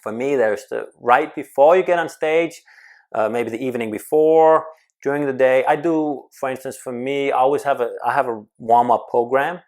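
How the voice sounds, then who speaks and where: A man coaching on public speaking, talking to the camera with emphatic, energetic delivery, quick bursts and sudden slowdowns. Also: mid-range voice. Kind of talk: advice talk to camera.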